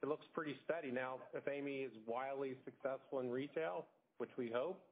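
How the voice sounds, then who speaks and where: A man's voice: medium pitch, fairly even intonation, a little fast. A man speaking as a company executive on a phone conference call, answering in an informal, folksy way. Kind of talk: earnings call answers, business talk. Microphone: telephone conference call. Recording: tinny phone line.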